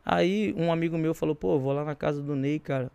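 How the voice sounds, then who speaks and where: Slangy Brazilian man with a creaky, higher voice. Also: a little fast, dark tone. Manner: slangy, informal. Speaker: comedian interview guest. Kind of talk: casual chat, animated storytelling.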